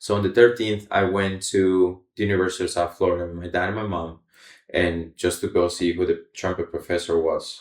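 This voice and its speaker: With a Colombian accent, a man speaks in a very deep, low voice using a monotone, flat intonation. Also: fairly quick pace. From Colombia, small town. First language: Spanish. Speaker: orchestral trumpeter. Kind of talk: casual interview chat.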